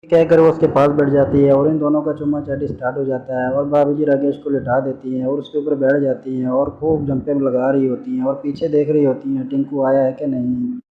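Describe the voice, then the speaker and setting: A man's voice: mid-range voice, flat delivery, a little fast, phone-quality sound. A man narrating a story recap in a casual, chatty way, talking straight to his viewers as friends. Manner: chatty, addresses listeners as brothers and friends. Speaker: channel narrator.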